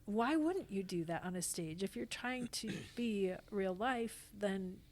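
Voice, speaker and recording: Female podcast guest, medium-pitched, conversational and reflective, explaining ideas informally. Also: expressive, slow pace, a little mellow. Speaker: podcast guest, stage actor. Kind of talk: casual interview conversation.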